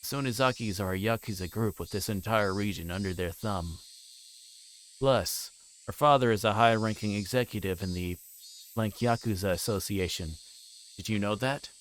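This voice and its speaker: A man's voice: on the low side, moderate pace, slight background noise, natural voice. A man voicing a sly, insinuating detective, casual and needling, in a visual novel read-through.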